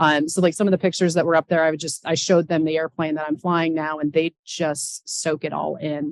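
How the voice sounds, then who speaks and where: On a very clean, dry, close recording with no echo and a silent background, a woman with an American accent speaks in a very deep, low pitch and a flat monotone. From US Pacific Northwest (Seattle area). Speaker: pilot. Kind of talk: panel discussion. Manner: casual, filler-heavy.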